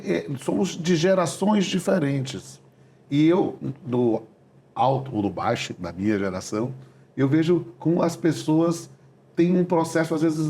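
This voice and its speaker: A man's voice: fairly high pitch, mellow. An older Brazilian man hosting an interview, asking reflective, searching questions. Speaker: host. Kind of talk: interview conversation.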